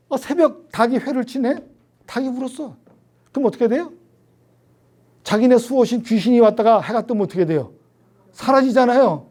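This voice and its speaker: An older man, a history professor, giving a public lecture in a lively storytelling way, often asking questions and then answering them himself. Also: sits high.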